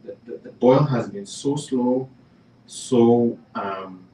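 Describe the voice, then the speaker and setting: A man's voice: mid-range voice, takes it slowly, dark tone, a little hiss or hum. A man from Kenya speaking on a panel discussion, telling a story in a conversational way with fillers and restarts, building to emphatic points. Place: panel event in a room. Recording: echoey room, speaker far from the mic.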